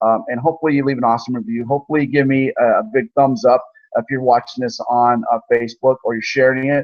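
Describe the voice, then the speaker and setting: At a very fast pace, a man speaks with a medium pitch. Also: ordinary pitch variation. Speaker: online marketing trainer. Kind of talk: webinar training wrap-up.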